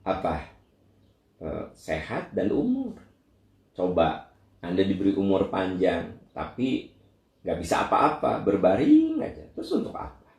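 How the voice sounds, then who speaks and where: Animated low-voiced preacher, gravelly, roomy. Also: male voice, slow pace, pauses often. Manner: animated, voice leaps up for emphasis, talks to listeners directly. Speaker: Islamic preacher answering questions. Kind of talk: Q&A religious lecture.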